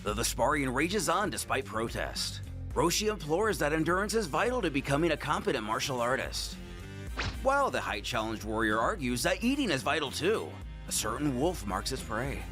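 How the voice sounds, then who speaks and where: A man tells a story in a scripted narration, his pitch rising and falling with lively energy. He drops wry asides between plot beats. Faint music plays quietly beneath his voice. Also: moderate pace. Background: faint background music.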